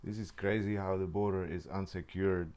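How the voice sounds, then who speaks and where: A young man whose first language is Czech, telling a long personal travel story in casual, halting speech full of fillers and restarts. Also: low voice, fairly even intonation, a little mellow. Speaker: vlogger.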